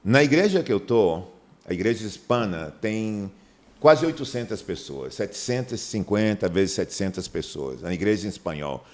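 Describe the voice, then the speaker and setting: Animated pastor from Manaus. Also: male voice, on the low side, moderate pace. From Brazil, Manaus. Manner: animated storyteller, acts out dialogue in a raised voice. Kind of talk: podcast interview.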